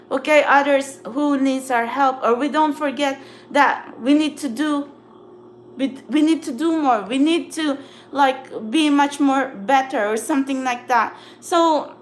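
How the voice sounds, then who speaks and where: A woman's voice: sits high, a little hiss or hum. A woman whose first language is Filipino, speaking casually on a livestream as a tarot reader, emphatic and punctuating her points with "okay?". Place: apartment at home.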